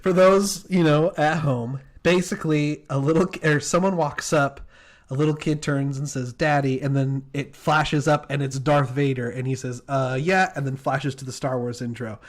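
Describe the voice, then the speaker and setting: A man co-hosting a podcast in casual chat, excitable and quick to laugh. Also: mid-range voice. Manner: excitable, gushing, laughs easily. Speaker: podcast co-host.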